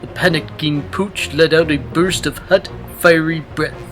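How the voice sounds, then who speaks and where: Higher-voiced man narrating over music. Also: fairly even intonation, measured pace, a bit bright. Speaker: storybook narrator. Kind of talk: scripted read-aloud narration.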